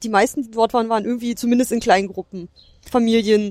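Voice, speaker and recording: Her voice sits at a fairly high pitch. The woman speaks at a very fast pace. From northern East Germany. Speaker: podcast host. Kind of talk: casual chat. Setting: walking around a museum.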